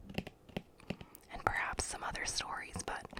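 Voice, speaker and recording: A whispering woman over noticeable background noise. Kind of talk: whispered true-crime book reading. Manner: whispered, soft.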